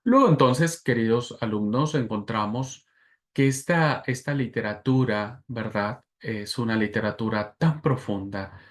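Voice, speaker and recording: A man gives a lecture on scripture at an ordinary pitch for a man. He explains patiently and repeats key terms. He keeps turning to the class with quick checks for agreement. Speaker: Bible teacher.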